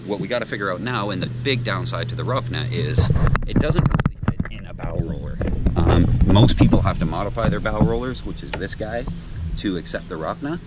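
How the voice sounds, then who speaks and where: Low-voiced man vlogging on a sailboat. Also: fairly quick. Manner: relaxed, joking, many ums and uhs. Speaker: vlog host, liveaboard sailor. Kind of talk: casual how-to vlog narration. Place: sailboat at a marina, cabin and deck. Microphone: handheld action camera close to the face. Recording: loud wind and handling noise.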